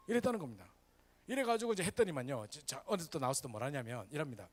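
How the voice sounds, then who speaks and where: A man preaches a sermon in a church. His delivery is animated and swift, his voice sitting a touch high and swinging widely in pitch as he keeps turning to the congregation for agreement. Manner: lively, animated preaching with frequent "그죠?" asides to the congregation. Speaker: pastor. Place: church sanctuary.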